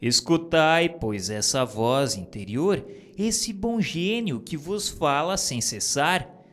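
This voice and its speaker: A man reading spiritist dictations aloud in a solemn, declamatory style, with slow, emphatic stresses. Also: fairly high pitch. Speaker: reader of spiritist texts. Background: soft background music.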